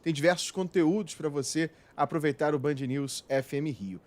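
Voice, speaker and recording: A man's voice: fairly high pitch, normal speed, darkish tone. Upbeat Brazilian man hosting a videocast. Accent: Brazilian Portuguese. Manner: upbeat, jokey presenter. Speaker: radio videocast host. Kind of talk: show host intro and questions. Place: podcast studio.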